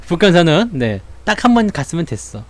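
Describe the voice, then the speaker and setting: A man's voice: sits high, fairly bright tone. A man hosting a stock market channel, talking in a casual, playful way and acting out little voices as he chats. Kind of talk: casual chat.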